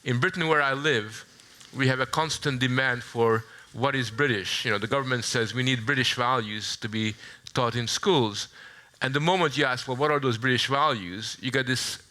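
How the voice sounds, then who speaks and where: Male panel speaker from Hungary, mid-pitched, bright and forceful, measured emphatic argument. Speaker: debate panelist. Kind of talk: public panel debate speech.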